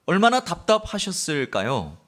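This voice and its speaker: High-voiced Korean pastor, dramatic preaching. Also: male voice, huge pitch swings, moderate pace. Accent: Busan Gyeongsang Korean. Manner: swings between loud dramatic quotes and low asides. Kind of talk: sermon.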